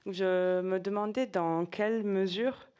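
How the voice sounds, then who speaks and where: A woman's voice: medium pitch, fairly even intonation, slow pace, mellow, smooth, highs cut off. A woman, a former researcher, asking a panel a long, polite question from the audience, searching for her words. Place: conference hall.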